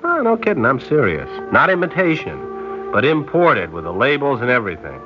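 A man's voice: mid-range voice, huge pitch swings, moderate pace, over music. An actor playing a cocky young male spy posing as an American, talking in a brash, slangy, wisecracking way, in a 1960s radio drama. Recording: dull lo-fi old radio recording.

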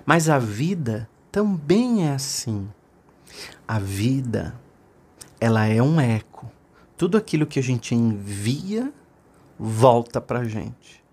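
A man voicing a patient father who explains in a calm, low, gentle way. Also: slow, breathy edge, full character voice.

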